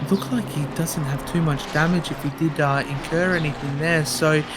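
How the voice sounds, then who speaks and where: A man's voice: fairly high pitch, steady tone, moderate pace, over music. A man co-commentating a sim race, bantering and laughing at himself. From Australia. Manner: laughing, self-deprecating banter.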